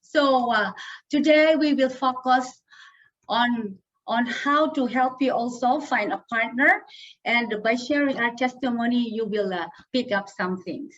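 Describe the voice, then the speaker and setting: A hoarse woman, speaking to a church youth group and often checking that her listeners follow. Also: a little high, measured pace, fairly bright tone. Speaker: guest speaker, wife. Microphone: video call. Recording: dull lo-fi call audio.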